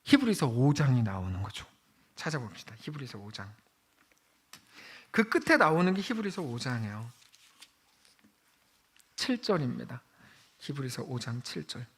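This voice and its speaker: A man's voice: medium pitch, very animated, moderate pace, pauses often, husky. A male pastor giving a conversational afternoon sermon in a church, acting out quoted voices as he goes. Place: church sanctuary.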